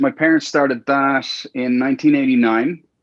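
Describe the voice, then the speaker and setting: A man with a Dublin accent. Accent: Irish (Dublin). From Ireland, Dublin. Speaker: entrepreneur. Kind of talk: podcast interview.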